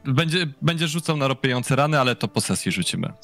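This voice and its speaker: Male game master, mid-pitched voice, loose and chatty, full of fillers. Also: lively intonation, fast, a bit bright, soft background music. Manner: casual, fillers and chuckles, says "listen" often. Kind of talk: narrating a tabletop game.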